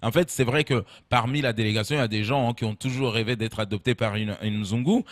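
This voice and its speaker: A man's voice: medium pitch, fast. A man co-hosting a satirical fake news segment, joking playfully with laughing asides. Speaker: comedian co-host.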